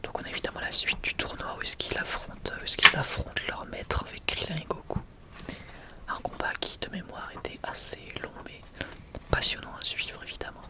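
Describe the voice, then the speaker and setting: A person whispering softly and casually in an unscripted, hesitant ASMR presentation. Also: a little fast. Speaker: ASMR video creator presenting a manga collection.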